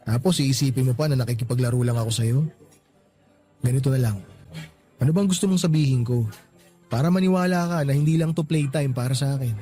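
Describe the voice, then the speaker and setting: A man with a Filipino accent acting as an affectionate, easygoing boyfriend in a radio romance drama, speaking in a conversational, expressive way. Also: medium pitch, brisk, long pauses, soft background music, close to an everyday voice. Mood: tender, earnest.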